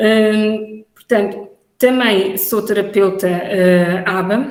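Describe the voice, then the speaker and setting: A woman with monotone, flat intonation. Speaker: psychologist. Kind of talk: radio interview. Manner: deliberately slow, measured; hesitant, many fillers.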